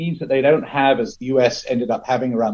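This man has medium pitch. His voice is somewhat breathy. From Kenya. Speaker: investment strategist. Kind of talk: radio interview. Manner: halting.

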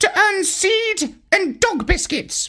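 The speaker uses a put-on character voice. It is pitched extremely high.

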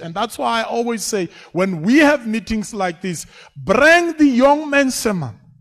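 An animated tone with very wide pitch swings at a fairly slow pace. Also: man. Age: 40s. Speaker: motivational speaker and preacher. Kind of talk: sermon.

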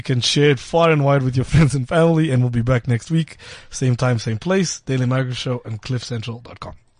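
A man speaks at a moderate pace in a medium pitch, with ordinary pitch variation and a somewhat breathy voice. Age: young. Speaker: radio host. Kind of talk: radio interview. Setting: studio.

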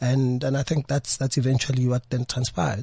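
A man speaks in a somewhat breathy voice with a dark, mellow tone. The recording is dry and close, with no echo. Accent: South African. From South Africa, Soweto. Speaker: lawyer and political commentator. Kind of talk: casual interview. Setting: studio.

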